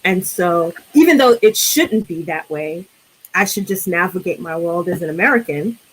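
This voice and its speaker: A woman with a New York accent, a guest on a film discussion, speaking reflectively with many pauses and restarts. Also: lowish voice, expressive, husky, rough recording.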